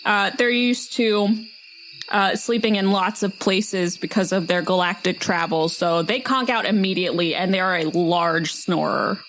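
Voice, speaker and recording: A woman's voice: mid-range voice, steady tone, normal speed, a bit bright, a little hiss or hum, poor audio. A woman playing a tabletop role-playing game, casually improvising a description of her character.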